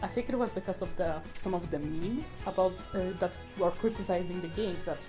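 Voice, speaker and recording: A woman's voice: fairly low pitch, brisk. Young woman chatting over music. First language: Polish. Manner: chatty, rambling, with fillers. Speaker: artist. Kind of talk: casual voice-over commentary. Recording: voice-over with loud background music.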